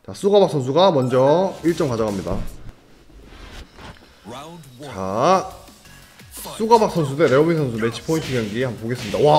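A young man giving live fighting game commentary, chatty and excitable, joking with viewers between quick reactions to the action. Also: medium pitch. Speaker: esports commentator.

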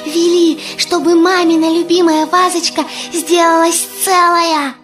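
A woman's voice: very high voice, little pitch movement, a little slow, a bit bright, soft background music. A woman playing an eager, dreamy little girl in a children's audio fairy tale, with a childlike sing-song delivery. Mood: chanting wish.

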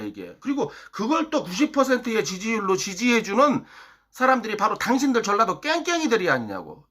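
Heated man with a lively pitch. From Chungcheong, South Korea. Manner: heated, hectoring, fires rhetorical questions. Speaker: political YouTuber. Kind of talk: ranting political monologue.

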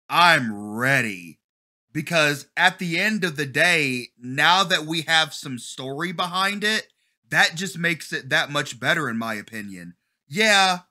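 Male reactor, 30s, very bright forceful voice, slightly high, enthusiastic slang and exclamations. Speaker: host of a trailer reaction channel. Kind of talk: casual excited reaction commentary. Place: small bedroom at home. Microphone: desk condenser mic with pop filter.

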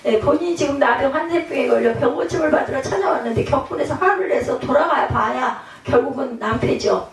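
A woman pastor preaching a sermon in a lively, dramatic way, often acting out the voices she quotes. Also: high-pitched, fairly quick, few pauses. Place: church sanctuary. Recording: echoey church hall, mic at a distance.

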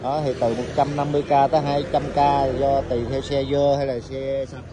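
A man's voice: mid-range voice, flat delivery, brisk. A middle-aged man chatting casually to viewers on a phone camera at a roadside cafe, rambling with many filler sounds, motorbikes passing. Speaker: vlogger, bike-wash owner. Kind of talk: casual vlog chat with viewers. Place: roadside cafe outdoors by a busy road. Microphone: phone camera held by the speaker. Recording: loud street traffic noise. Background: passing motorbikes and traffic.

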